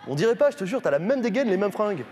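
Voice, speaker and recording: A middle-aged man playing an over-earnest, emotional pal in a comedy sketch, speaking colloquially and excitably. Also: sits high, rapid-fire, some chatter behind. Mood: excited. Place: living-room studio set. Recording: noisy studio stage ambience.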